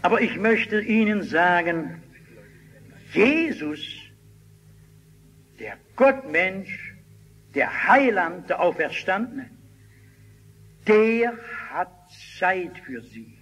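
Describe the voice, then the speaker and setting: Older preacher guy, husky high voice, slow and lively, acts out the stories. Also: low-quality recording. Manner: animated storytelling, shouting out quoted cries. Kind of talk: sermon.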